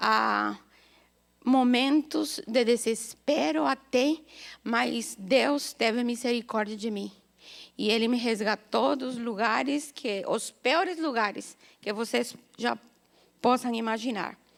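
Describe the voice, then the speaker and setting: A woman's fairly high voice with vocal fry and lively intonation, in a Spanish accent, at a very slow pace with long, frequent pauses, on a very clean recording with a silent background. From Guatemala. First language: Spanish (speaking Portuguese). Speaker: guest preacher. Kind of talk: sermon.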